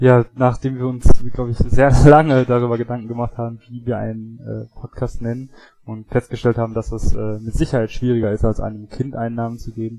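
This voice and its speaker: Speaking at a fairly quick pace, a man with a medium pitch keeps a monotone, flat intonation while his loudness swings widely. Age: 20s. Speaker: podcast co-host, university student. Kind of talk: casual chat. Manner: hesitant with many fillers.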